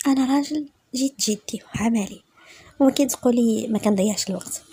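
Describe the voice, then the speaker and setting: A woman with a Moroccan accent voicing a confident, assertive man, in a soft, half-whispered delivery. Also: fairly high pitch, fast, slightly rough, no room sound. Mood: persuasive.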